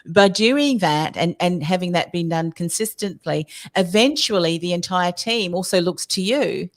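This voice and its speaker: A woman's voice: fairly low pitch, lively intonation, normal speed. A woman podcast host asking questions thoughtfully, with plenty of fillers. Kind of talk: interview questions.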